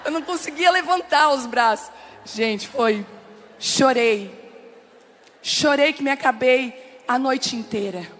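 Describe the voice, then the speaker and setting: A woman's voice: high-pitched, slow, pauses often, a little hiss or hum. A middle-aged woman pastor, preaching through a personal story and speaking straight to the audience. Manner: emotional, laughing and crying as she tells the story; talks directly to the audience, very animated.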